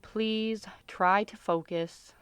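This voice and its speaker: A woman's voice: medium pitch, fairly even intonation, drawn-out words, clear, resonant tone, no echo. A woman playing a controlled military doctor in a radio play, interviewing a patient in a formal, clinical, authoritative way. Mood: clinical, composed. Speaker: voice actor.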